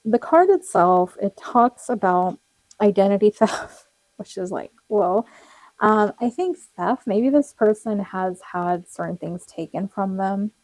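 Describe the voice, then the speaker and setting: Casual tarot reader, young woman, rambling and friendly, voice going hoarse. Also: medium pitch, measured pace, a little mellow, dry recording, rough recording. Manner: chatty, rambling, with frequent fillers and little laughs. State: losing her voice, slightly cracking. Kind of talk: casual tarot reading to viewers.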